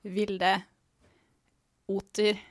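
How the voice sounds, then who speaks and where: A woman on a student radio quiz, chatting casually in quick, short remarks. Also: medium pitch, flat delivery, no room sound, clean studio sound. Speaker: radio co-host and quiz contestant. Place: radio studio.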